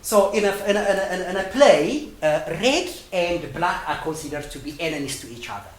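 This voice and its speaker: Lively, hesitant man with an Ethiopian accent. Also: high voice, moderate pace, reverberant, poor audio. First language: Amharic. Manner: hesitant, with many fillers and restarts, often laughing between phrases. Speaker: storytelling speaker. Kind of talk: personal storytelling talk.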